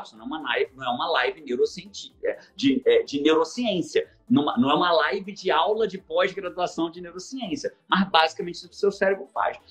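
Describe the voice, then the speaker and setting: A man with a Brazilian accent, a coach telling stories on a live stream, acting out dialogue and swearing casually. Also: sits high. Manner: animated storyteller who acts out quoted dialogue and swears casually. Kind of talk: energetic live-stream talk.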